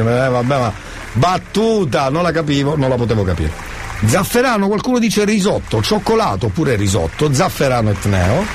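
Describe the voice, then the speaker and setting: A man hosting a radio quiz like a showy game show host, playful and jokey, often repeating himself for effect. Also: mid-range voice. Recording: music bed behind voice. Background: music.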